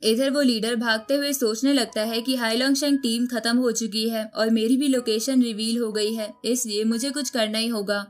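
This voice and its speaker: A woman's voice: a little high, steady tone, normal speed, hardly any pauses. A woman reading a scripted story recap as a narrator, telling the events in storytelling style. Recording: music bed under the voice. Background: background music.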